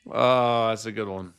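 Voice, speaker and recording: A man's voice: fairly low pitch, a bit bright, clear, resonant tone. A man in his late twenties chatting casually with his live-stream viewers while trading, teasing them and laughing often. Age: 20s.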